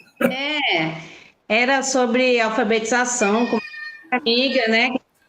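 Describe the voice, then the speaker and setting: Speaking at a very slow pace, a woman with a high pitch and ordinary pitch variation is heard with audible room echo. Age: 40s. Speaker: graduating student, public employee.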